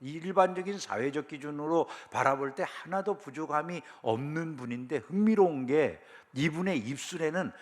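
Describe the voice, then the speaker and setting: A man's voice: a little high, normal speed, long reverb tail. A man preaching a sermon as a pastor, in a conversational style with frequent rhetorical questions to the congregation. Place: church sanctuary.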